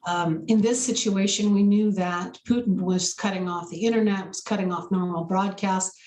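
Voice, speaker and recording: A woman's voice: medium pitch, steady tone, normal speed, a little mellow. Woman interviewee in an echoey room. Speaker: fundraiser organizer, interviewee. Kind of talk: unscripted interview talk.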